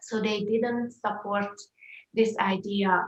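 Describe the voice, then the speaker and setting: With a Hungarian accent, a woman speaks at a medium pitch in a monotone, flat intonation and a bright, sharp tone. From Hungary. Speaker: self-love mentor and life coach. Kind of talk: guest talk on online show. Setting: video call.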